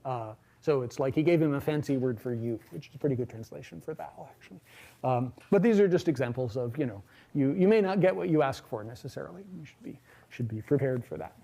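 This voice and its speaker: A middle-aged man giving a university lecture in a large hall, talking in a relaxed, chatty way with many fillers and asides. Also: medium pitch, fast, vocal fry. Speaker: linguistics lecturer.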